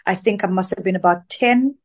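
A woman's voice: mid-range voice, fairly quick, darkish tone. A woman singer from Zambia answering interview questions in a chatty, rambling way with many fillers over a remote call. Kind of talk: casual interview.

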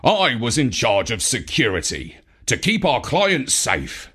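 A male audiobook reader narrating a children's story. He takes his time, with a husky voice and a highly animated, expressive melody. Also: unhurried. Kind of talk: scripted first-person children's story narration.

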